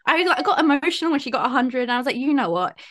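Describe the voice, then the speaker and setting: A woman's voice: high-pitched, very fast, a bit bright. A woman from India co-hosting a casual sports podcast, talking in a gushing, emphatic way. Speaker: podcast co-host.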